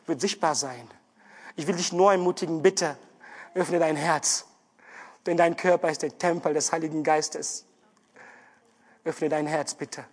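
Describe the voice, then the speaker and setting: A man giving an earnest, pleading sermon testimony in a church hall, often restarting his words. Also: fairly high pitch.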